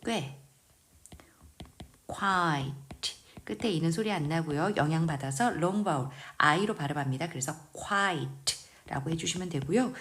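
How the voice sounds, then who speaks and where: A woman who speaks Korean natively, teaching English vocabulary in a slow, careful lesson and patiently drilling pronunciation word by word. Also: low-pitched. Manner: patient, precise pronunciation drills with repeated words.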